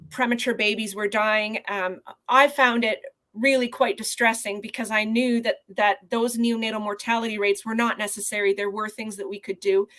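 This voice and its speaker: A woman's voice: a little high, a bit bright. Earnest woman doctor on a video call. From Canada. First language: not Portuguese. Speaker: neonatologist guest. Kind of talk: conversational interview answers.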